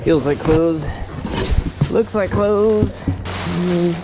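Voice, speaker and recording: A middle-aged man, a storage unit reseller, chatting casually through an unboxing, bursting into excited exclamations over his finds, recorded on a head-mounted camera in a storage unit. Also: high-pitched, extremely slow, heavy background noise. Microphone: head-mounted action camera.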